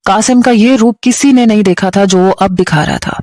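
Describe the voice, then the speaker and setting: A woman storyteller with a Pakistani Urdu accent reading a dramatic story in a steady, emotive way. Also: medium pitch, dry recording.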